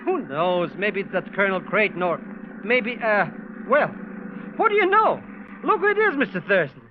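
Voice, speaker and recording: Comic sidekick, flustered, animated swooping delivery, vintage radio drama, muffled recording with faint noise. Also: male voice, high voice, moderate pace. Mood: chatty, surprised. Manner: flustered, exclamatory. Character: excitable, timid foreign sidekick, comic and scheming. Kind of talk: 1940s radio acting. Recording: dull, noisy old-time radio recording.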